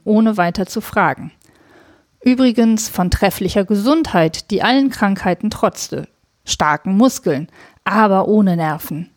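A woman on a podcast reading a novel aloud, in steady, measured storytelling. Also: medium pitch, dry recording, studio quality. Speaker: podcast reader.

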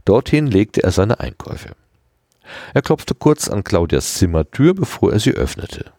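Deep male storyteller, lively and expressive read. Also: unhurried, dry recording, clean studio sound. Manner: expressive, voices each character. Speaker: audiobook reader. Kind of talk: storybook reading.

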